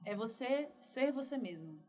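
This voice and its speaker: A woman from Northeast Brazil, a developer guest telling her career story in a relaxed, chatty interview. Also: on the high side, a little slow. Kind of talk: casual podcast interview.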